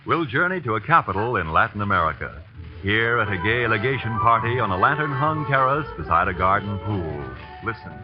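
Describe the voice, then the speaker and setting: Man announcing old radio ad, lively pitch swings, muffled sound, music behind. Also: a little fast. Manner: lively, salesy. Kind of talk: 1940s radio commercial.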